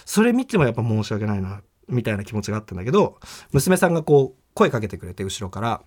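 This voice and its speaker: Male comedian host, quick lively delivery, relaxed studio radio chat. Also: on the low side. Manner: animated storytelling, acts out quoted people. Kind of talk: casual radio talk, telling a personal story. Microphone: studio microphone.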